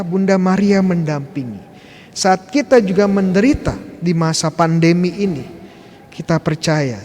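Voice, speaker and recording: A man's voice: on the high side, darkish tone. A Catholic priest giving a Sunday homily in a church, putting questions to the congregation and tagging his phrases with a conversational "ya". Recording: long church reverb, faint background noise.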